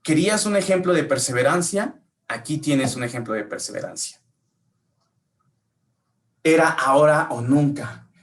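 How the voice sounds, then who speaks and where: A man's voice: fairly high pitch, normal speed, pauses often, distant mic. A man preaching a sermon, telling a story and questioning his listeners. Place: church.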